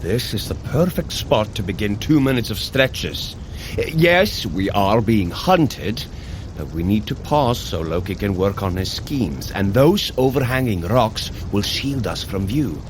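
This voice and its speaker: An actor playing a bold, earnest storm god in an audio adventure, speaking in a grand, formal, declamatory way. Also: male voice, fairly low pitch, big pitch swings, measured pace, a little hiss or hum. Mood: instructive. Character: Thor, bold, earnest male storm god, big brother. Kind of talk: scripted audio adventure acting.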